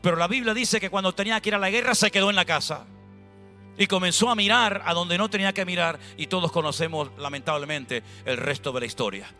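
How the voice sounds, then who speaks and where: A Spanish pastor preaching a sermon, his voice high and bright as he tells stories, acts out the people in them, and talks straight to the congregation in a colloquial way. Soft music plays faintly underneath. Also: fast talker. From Spain. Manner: lively, colloquial storytelling with acted-out dialogue.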